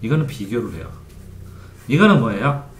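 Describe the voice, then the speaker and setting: A study coach with a mid-range, very animated voice speaks at normal speed, teaching a study method step by step. He asks his listeners questions and answers them himself, in an echoey room with faint background noise.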